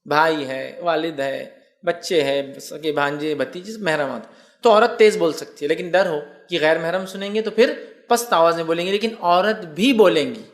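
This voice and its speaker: A male preacher whose voice sits a little higher than most men's. He explains carefully, repeats key phrases and slows down to recite devotional formulas. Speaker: Islamic preacher. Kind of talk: sermon.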